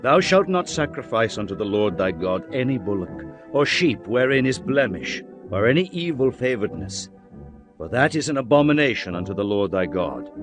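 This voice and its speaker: A man giving a dramatized Bible reading, in a solemn, measured recitation of archaic scripture. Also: medium pitch, big pitch swings. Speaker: scripture narrator. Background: background music.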